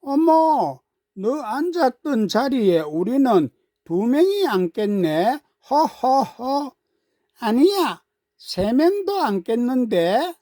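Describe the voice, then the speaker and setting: A woman's voice: fairly high pitch, big pitch swings, slow, mellow, no echo, studio quality, pitched above the performer's own voice, heavily acted. A woman voicing catty, boastful middle-aged reunion friends in a story, gossipy and falsely sympathetic. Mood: mocking.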